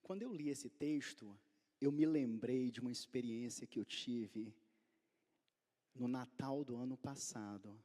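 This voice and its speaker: A man in his forties with a Brazilian Portuguese accent, preaching a sermon as a pastor and telling a story that swings from quiet to loud. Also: mid-range voice. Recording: long reverb of a large hall.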